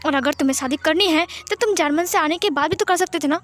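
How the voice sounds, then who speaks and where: A woman's voice: high-pitched, fast talker, a bit bright, faint music behind. A woman voicing an angry middle-aged businessman father who scolds his son in a fan story reading. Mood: upset. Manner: exasperated scolding.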